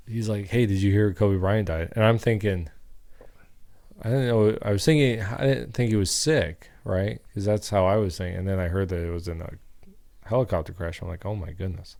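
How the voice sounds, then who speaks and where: A man's voice: lowish voice, moderate pace, creaky, long pauses, a little mellow. A young man co-hosting a podcast, talking casually and rambling, with many fillers and restarts. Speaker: podcast co-host. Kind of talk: casual chat.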